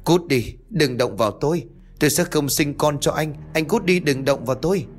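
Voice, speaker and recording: Man voicing a hysterical young mother, high and shrill. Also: normal speed, faint music behind, lightly acted. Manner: frantic, repeating broken cries.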